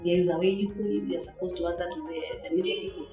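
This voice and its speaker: A woman's voice: on the low side, fairly even intonation, fast, mellow. A woman giving testimony as a participant in a documentary interview. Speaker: training participant. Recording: echoey room, faint music.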